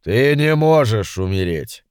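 A man doing a slow, booming demon lord. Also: very animated, clear, resonant tone, no room sound, clean studio sound. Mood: imperious. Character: pompous ancient demon lord, elephant-bumblebee. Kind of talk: audiobook character voice.

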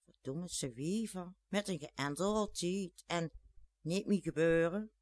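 A reader doing a gruff grumbling Flemish man. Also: measured pace, darkish tone, dry recording, clean studio sound, natural voice. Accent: Flemish dialect. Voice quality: low grumbling mutter. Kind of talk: dialect storytelling.

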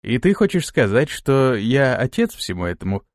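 A man's voice: medium pitch, very animated, moderate pace, no echo, clean studio sound. A man voicing a brash, hot-tempered young lord in an audiobook, given to indignant outbursts.

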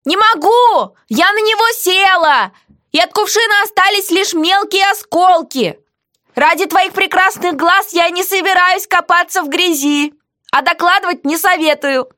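A woman's voice: very high-pitched, a little slow, bright, forceful tone, voice pushed up, full character voice. A woman voicing a defiant, cheeky female prisoner who answers with mocking, sassy retorts.

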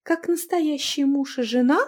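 Woman doing a shrill, fiery young woman. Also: moderate pace, natural voice. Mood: furious. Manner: shrill, shouting indignantly. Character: hot-tempered young woman, fiery and stubborn.

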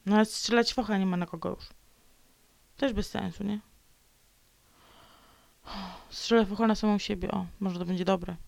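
Woman vlogger, solo grumbling monologue, gravelly texture, dry close sound, sulky rants with whispered asides and mock growls. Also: mid-range voice, steady tone, a little fast, darkish tone, no echo. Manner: sulky ranting, dips into whispered mutters; playful growls and repetitions.

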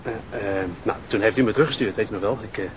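A man's voice: lowish voice, very fast, background noise, natural voice. An actor playing a flustered, evasive policeman, stammering and hesitant, in a radio drama. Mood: nervous, evasive. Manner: stammering, hesitant, repeating himself. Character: flustered, evasive, cowed male policeman-caretaker.

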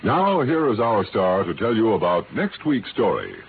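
A man's voice: fairly low pitch, big pitch swings, moderate pace. A man with an American accent reading scripted credits in the formal manner of an old radio announcer. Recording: vintage radio broadcast, narrow band, music behind. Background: music.

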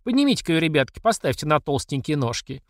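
A fierce older mother full of folksy sayings, high and lively in pitch, as a male narrator puts her on. The recording is close and dry. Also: quick pace, no room sound. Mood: gloating. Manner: shouting, mocking, folksy sayings. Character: fierce, furious older working-class mother.

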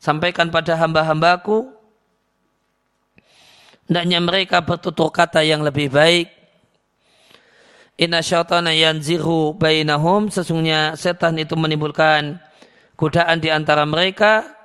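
A man giving an Islamic lecture on hadith, explaining calmly with many restarts and reciting Arabic verses before translating them. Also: fairly high pitch, measured pace, pauses often, clear, resonant tone. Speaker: Islamic teacher.

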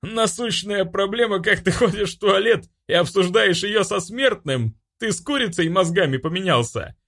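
A man's voice: high voice, lively intonation, normal speed, a bit bright, pitched above the performer's own voice, exaggerated voice. A man voicing a mischievous male demon who mocks and laughs at his companions. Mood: mocking. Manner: mocking, laughing, raised voice.

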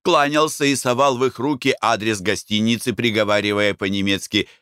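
A man reading a novel aloud as an audiobook narrator, measured and expressive. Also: lowish voice, smooth, dry recording, clean studio sound. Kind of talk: scripted narration.

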